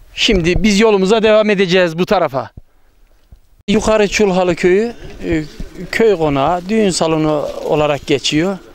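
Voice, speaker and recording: In a dry sound with no echo, a man with a high pitch and ordinary pitch variation talks at a moderate pace with very even loudness and long, frequent pauses. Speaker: village video presenter. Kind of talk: village tour with street interviews. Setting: outdoors. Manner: hesitant, many fillers. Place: open country. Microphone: handheld.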